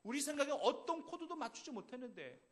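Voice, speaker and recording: A man's voice: extremely high pitch, big pitch swings, quick pace, fairly bright tone. A man from Seoul preaching a sermon at a church service, emphatic and at times playful with the congregation. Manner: emphatic preaching with rising, swelling phrases. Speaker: pastor.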